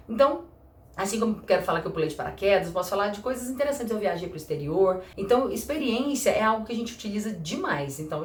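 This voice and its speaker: A woman teaching English grammar in a chatty, lively way, slowing down to read example sentences. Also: lowish voice, roomy sound, slight background noise. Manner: chatty, lively, acts out little dialogues, slows for example sentences. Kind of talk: casual explanatory lesson.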